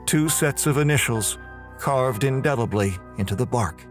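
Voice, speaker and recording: An actor playing an unrepentant condemned murderer who narrates his own execution in a heavy, deliberate horror audio drama style. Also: medium pitch, natural voice. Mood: grim, resigned. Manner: slow, heavy, deliberate, halting delivery. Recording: music under the voice.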